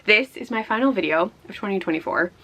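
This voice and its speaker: A woman with a slightly hoarse voice chats casually like a book vlogger, rambling with self-deprecating asides. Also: mid-range voice, animated, fast talker, pushed and bright, rough recording. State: slightly hoarse after flu. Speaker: book vlogger hosting a year-end favorites video. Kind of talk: casual chatty vlog talk.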